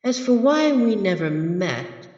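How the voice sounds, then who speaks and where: A woman voicing a smug, menacing monster from under the bed in an audio roleplay, haughty and taunting with drawn-out theatrical delivery. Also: medium pitch, sing-song, darkish tone. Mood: haughty, bickering. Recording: echoey reverberant hall, slightly dull.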